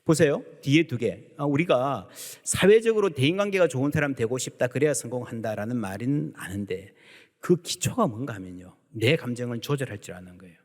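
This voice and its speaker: Animated male pastor preaching in a reverberant church. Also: mid-range voice, a little fast. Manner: animated preaching that acts out quoted voices. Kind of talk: sermon. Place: church sanctuary. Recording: long church hall reverb.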